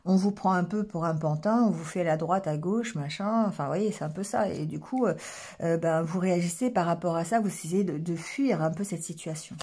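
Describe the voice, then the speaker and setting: Hoarse woman giving a hesitant tarot reading. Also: on the low side, brisk, warm tone. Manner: hesitant, many fillers and restarts, checks in with "d'accord?"; clears throat often. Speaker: tarot card reader. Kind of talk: casual tarot reading addressed to viewers.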